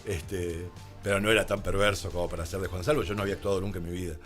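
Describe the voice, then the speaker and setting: A man's voice: sits low, fairly even intonation, rapid-fire, a bit bright. An Argentine man, a guest in a radio studio, telling stories conversationally and quoting dialogue as he goes. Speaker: radio drama producer and adapter, interview guest. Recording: music playing under the voice.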